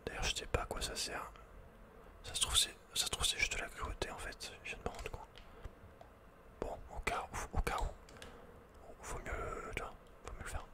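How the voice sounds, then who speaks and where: A man's voice: normal speed, pauses often, bright, forceful tone. Whispering man doing ASMR game commentary. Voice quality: breathy, unvoiced whisper. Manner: casual, slangy, playful. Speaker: ASMR video game player.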